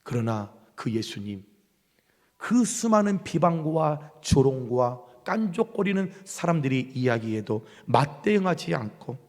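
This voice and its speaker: A man preaching a sermon as pastor, impassioned, swinging from pleading cries to low, quiet passages. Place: church sanctuary. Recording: long church hall reverb.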